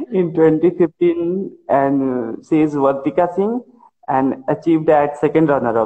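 A fairly high-pitched man's voice with a dark, mellow tone and lively intonation, at a fairly slow pace and very even loudness, against a quiet background. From India. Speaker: pageant fan interviewer; fan interviewer. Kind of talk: live-stream interview. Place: home room.

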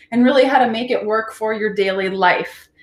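The room's echo is audible as a woman talks. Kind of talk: casual live stream chat. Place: kitchen.

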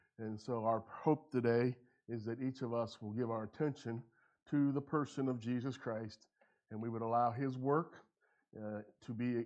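A man at a moderate pace with fairly even intonation, quiet background. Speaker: pastor. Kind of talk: church announcements and opening prayer. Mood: calm, earnest. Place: church.

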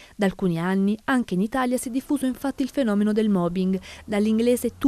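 A woman's dark, mellow voice at medium pitch, with ordinary pitch variation and a fairly quick pace. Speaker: reporter. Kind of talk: news reading.

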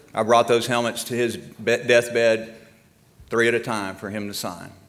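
Speaking at a moderate pace in a Texan accent, a man keeps a monotone, flat intonation. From Texas. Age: 50s. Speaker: nonprofit executive director and former football player. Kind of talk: convention speech. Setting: stage with audience. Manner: folksy, conversational. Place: hall. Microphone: podium.

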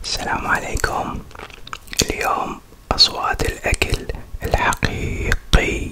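Whispering, a man speaks at a very slow pace. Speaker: ASMR eating creator. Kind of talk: ASMR eating video with whispers. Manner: whispered. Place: home room. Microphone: studio mic.

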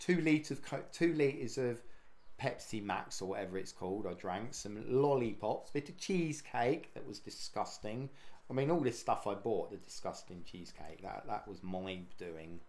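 A man with an English accent speaks at a medium pitch and a moderate pace. His pitch swings very widely. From England. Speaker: YouTube live streamer. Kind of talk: casual live-stream chat with viewers. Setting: home room streaming to camera. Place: home room. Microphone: studio mic.

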